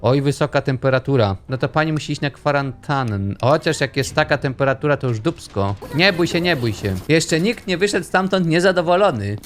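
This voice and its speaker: A man's voice: a little high, expressive, brisk, hardly any pauses, faint music behind. A young man giving playful, jokey commentary while playing a video game and chatting with its characters. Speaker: gaming YouTuber. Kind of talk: let's play commentary.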